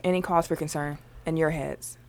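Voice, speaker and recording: A woman with a lowish voice talks sports in a casual podcast chat. She is emphatic and slangy and steers the group to each new topic. Her voice sits on the low side for a woman. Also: steady tone, normal speed. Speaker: podcast co-host.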